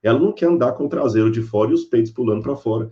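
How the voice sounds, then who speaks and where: A man's voice: mid-range voice, very fast, highs cut off. A man giving a sermon-style Bible lecture, telling stories and acting out the people in them. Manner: animated storyteller acting out characters. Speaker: preacher.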